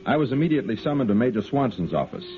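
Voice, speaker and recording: Man voicing a level-headed cavalry officer narrating a vintage radio play, lively inflection, tinny phone-like sound, light music under it. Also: mid-range voice, natural voice. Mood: earnest. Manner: calm, measured storytelling. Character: steady male cavalry lieutenant, narrator. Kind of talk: 1950s radio drama acting. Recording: tinny old radio broadcast, faint music.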